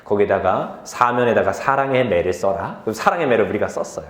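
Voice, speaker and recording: A young man preaching a sermon to a youth group, telling stories from his life in a lively way, laughing easily and asking the listeners questions. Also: fairly low pitch, echoey room. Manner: lively storytelling, quick to laugh; asks the listeners questions directly.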